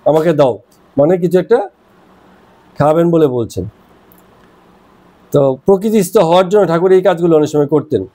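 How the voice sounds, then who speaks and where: Mellow-voiced man explaining a devotional text. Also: fairly high pitch, fairly quick, pauses often. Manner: explanatory, retells and glosses words. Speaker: reader and explainer of scripture. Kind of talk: devotional reading with commentary.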